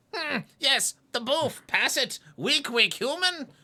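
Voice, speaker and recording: A put-on character voice, pitched high, moves along at a fairly slow pace. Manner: sneering, croaky.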